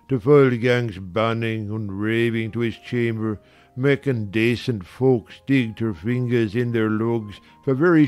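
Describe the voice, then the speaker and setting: A man's voice: medium pitch, darkish tone, smooth, dry recording, natural voice. A man playing a scornful, preachy old servant with a Yorkshire accent in a dramatized audiobook, speaking in emphatic dialect. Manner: slow, emphatic dialect speech.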